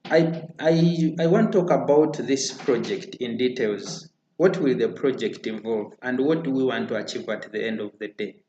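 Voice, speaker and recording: Man, 30s, charity founder pitching a project, earnest, hesitant fillers, roomy echo. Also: moderate pace, few pauses, warm tone, highs cut off, slight background noise. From Uganda.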